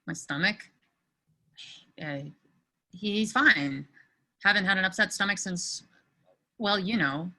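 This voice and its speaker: A woman's voice: mid-range voice, slow pace, pauses often, bright, forceful tone, exaggerated voice. A woman playing an earnest, lovelorn teenage boy in a comic screenplay table read. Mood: awkward.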